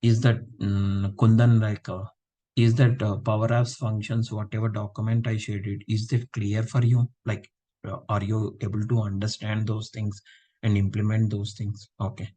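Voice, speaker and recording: A man's voice: lowish voice, flat delivery, moderate pace, mellow. A man teaching a live online class, feeling unwell and checking in with students often. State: unwell, low voice. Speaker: instructor.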